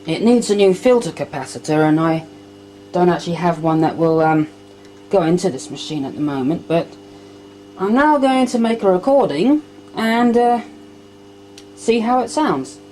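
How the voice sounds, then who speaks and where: A woman calmly explaining step by step as she unpacks and tests old equipment at home. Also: lowish voice, moderate pace, faint music behind, low-quality recording. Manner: calm step-by-step explaining while handling equipment. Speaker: hobbyist vlogger. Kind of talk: casual demonstration narration. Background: faint machine hum.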